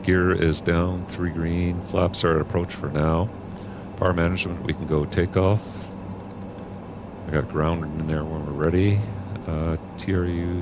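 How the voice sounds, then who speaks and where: A man talking as a pilot through a cockpit headset mic, calmly running checklists and commenting as he flies. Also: deep voice. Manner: calm, methodical checklist talk. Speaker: flight sim streamer playing pilot. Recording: muffled headset audio over loud aircraft hum.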